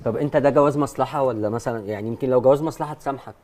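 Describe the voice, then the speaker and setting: An Egyptian man acting as the studio's "doctor," trying to calm down a heated couple. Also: mid-range voice, racing, a little hiss or hum. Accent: Egyptian Arabic. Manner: soothing, tries to calm everyone down. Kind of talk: mediating a staged argument.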